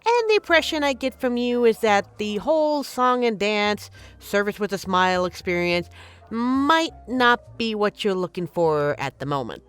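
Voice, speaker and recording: A woman's voice: mid-range voice, lively intonation, normal speed, smooth, close to an everyday voice. A woman playing a flirty, teasing but caring bartender in an intimate, conversational audio roleplay. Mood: flirty, reassuring. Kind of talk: intimate scripted roleplay, ASMR-like.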